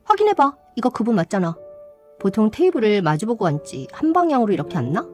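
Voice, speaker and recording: A woman's voice: mid-range voice, big pitch swings, fast, dark tone, faint music behind. A woman acting a chatty, tattling younger relative in radio drama style. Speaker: storyteller voicing a gossiping younger relative.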